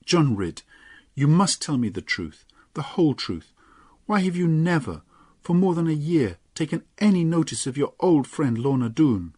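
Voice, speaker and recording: Storybook reading: male narrator doing a pleading young lady, husky and dry-sounding. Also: a little high, very animated, normal speed, a little mellow, no room sound, voice pushed up. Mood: urgent. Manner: pleading, emotional. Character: young noble lady, loving and earnest.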